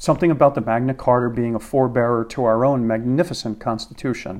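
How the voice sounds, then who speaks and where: Recorded very cleanly with a silent background, a man with an American accent speaks at a moderate pace and medium pitch with ordinary pitch variation. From United States. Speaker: podcast host. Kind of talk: comedic monologue. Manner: animated.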